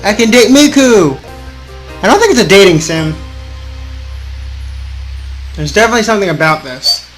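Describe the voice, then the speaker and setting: Very animated and high-pitched, this man speaks at normal speed with a bit of brightness, faint music behind him and poor audio. As a let's player, he reads visual novel text aloud, stumbles on words at times, and reacts playfully.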